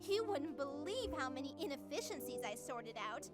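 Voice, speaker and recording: A woman's voice: high-pitched, sing-song, normal speed, faint music behind. A woman voicing a cheerful, smug young female AI who narrates a horror visual novel in a playful, conversational way. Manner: playful, self-satisfied, conversational. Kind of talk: scripted first-person game narration.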